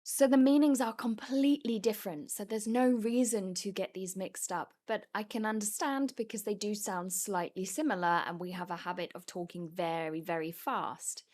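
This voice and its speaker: A British woman giving an instructional pronunciation lesson as a teacher, enunciating deliberately and repeating example words. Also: mid-range voice, a little mellow.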